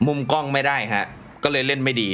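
A young man doing sarcastic, excitable gameplay commentary with mock boasting and swearing, his mouth sore after wisdom tooth surgery. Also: medium pitch, quick pace, noisy background. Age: young adult. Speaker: gaming YouTuber. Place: small room indoors at a gaming desk. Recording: loud game music behind voice. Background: loud game music.

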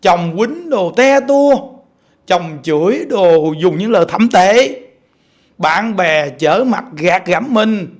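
A man with a Southern Vietnamese accent and an unusually high, light voice, preaching a Buddhist sermon. He tells stories animatedly and keeps turning to the congregation with quick questions. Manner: animated storytelling, keeps asking listeners "see?".

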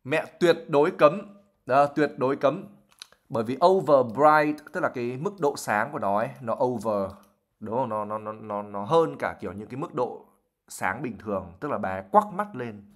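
A man's voice: medium pitch, normal speed. Brief: male language teacher, patient explainer, lots of fillers, livestream lesson. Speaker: English teacher.

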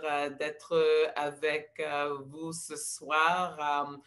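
A middle-aged English-speaking woman, a leadership candidate, speaking haltingly in a second language on a video call, with many fillers and restarts. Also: sits low, fairly bright tone.

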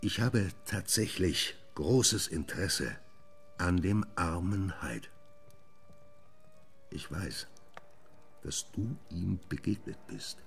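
A middle-aged gentleman scientist, proud and secretive, in a radio play. His very low, husky voice swings widely from murmurs to sudden outbursts. Faint music sits behind him. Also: expressive, slow pace, pauses often, full character voice. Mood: grave, pleading. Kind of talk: German radio drama acting.

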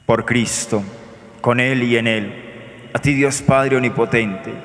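Give me a priest, speaking in a monotone as he prays through the Mass in a reverberant church. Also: medium pitch. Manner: measured, solemn liturgical recitation. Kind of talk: celebrating Mass, praying aloud. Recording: echoey church with long reverb.

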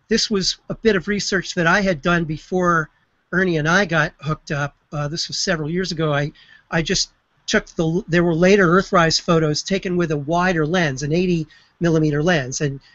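High-voiced man telling a story vividly. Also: fairly bright tone, no echo. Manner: vivid, enthusiastic retelling. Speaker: space historian guest. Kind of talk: storytelling explanation. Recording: slightly muffled web broadcast.

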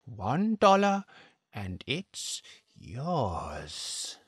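An elderly shop owner in an audio drama, coaxing and faintly sinister. He draws his words out very slowly with wild swoops in pitch. The voice is husky and recorded close and dry. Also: huge pitch swings, dry recording, exaggerated voice. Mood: sly, coaxing. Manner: slow, unhurried, insinuating. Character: persistent elderly male antique shop owner, quietly sinister.

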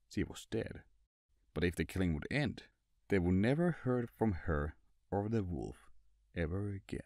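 A man's voice: lowish voice, dry recording, studio quality. A man who is not a native English speaker, narrating a scripted horror story in an ominous, dramatic way. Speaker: narrator and writer.

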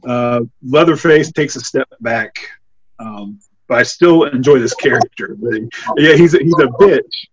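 A man's voice: medium pitch, unhurried, dull audio, background noise. A man in his thirties co-hosting a horror podcast, reviewing a film in a loose, rambling way and laughing often, over a desk mic on a video call from home. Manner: rambling, laughing, animated when amused. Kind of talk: casual film review chat. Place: home room.

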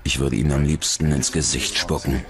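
A man's voice: rumbling low, little pitch movement, moderate pace, a crowd in the background. An actor dubbing a defiant male convict protesting his innocence in a documentary interview. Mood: bitter, defiant. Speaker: voice-over for a convict.

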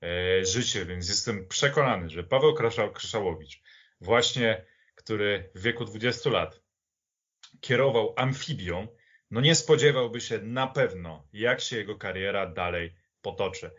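A man giving conversational football commentary, halting at times and repeating words for emphasis. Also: fairly low pitch, fairly bright tone, slightly rough. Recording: dull, lo-fi audio.

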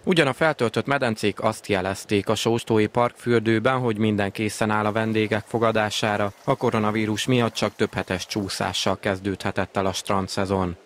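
A male news reporter reading a scripted report in a steady, formal way. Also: fairly low pitch. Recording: faint background noise.

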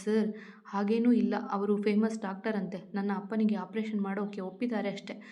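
A woman reading out a gentle young woman who begs tearfully and pushes back, in a storybook reading. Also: mid-range voice, flat delivery, brisk, lightly acted. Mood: pleading. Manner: pleading, tearful. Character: gentle young woman, pleading yet defiant.

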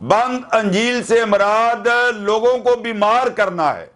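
An older man preaching a sermon to camera, earnest and deliberate, asking rhetorical questions. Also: high-pitched, a bit bright. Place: indoor studio with curtain backdrop.

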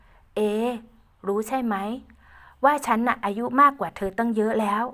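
A woman's voice: fairly high pitch, moderate pace, pushed and bright. A shy 45-year-old man who stumbles over his words when caught off guard, read by a woman. He speaks hesitantly and bashfully, in a voice close to the storyteller's own. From a spoken romance storybook. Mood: flustered.

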